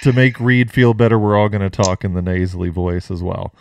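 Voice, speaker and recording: A man's voice: deep voice, monotone, brisk, gravelly, a little mellow. A young man hosting a podcast in casual chat, laughing often and joking loosely. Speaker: podcast host.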